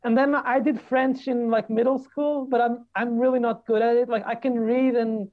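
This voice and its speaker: A man's voice: very high-pitched, level tone, moderate pace, no room sound, phone-quality sound. A man in his late twenties from Portugal, a native speaker of European Portuguese, chatting casually in a rambling way with many fillers. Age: late 20s. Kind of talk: casual chat.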